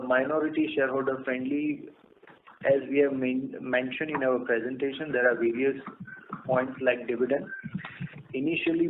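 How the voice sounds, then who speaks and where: A man's voice: medium pitch, a little hiss or hum. Indian-accented executive man on a tinny phone line. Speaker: company executive. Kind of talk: answering questions on an earnings conference call.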